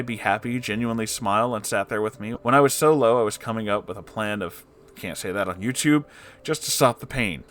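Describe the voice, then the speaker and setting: A man narrating an online story aloud in a dramatic, expressive way, with candid and sweary interjections. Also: medium pitch.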